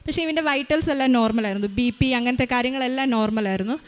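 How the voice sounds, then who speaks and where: A woman telling a personal testimony about her child, hurrying along with many fillers and restarts. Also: a little high. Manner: hurried, with frequent fillers and restarts. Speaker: mother giving a testimony.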